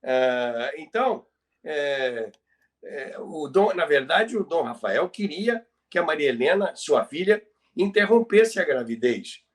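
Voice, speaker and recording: Brazilian man, fairly high-pitched, explaining emphatically. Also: very animated, takes it slowly. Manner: explanatory, emphatic, repeats key phrases for effect. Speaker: podcast presenter on radio history. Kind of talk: conversational storytelling about radio history.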